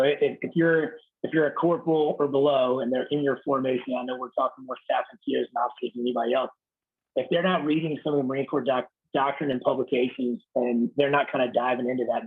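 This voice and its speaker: Man: raspy thirties officer, blunt and casual, thin phone-like audio on a video call. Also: medium pitch. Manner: blunt, casual, swears lightly. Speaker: Marine Corps officer speaking to a unit. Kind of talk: informal leadership talk on a video call.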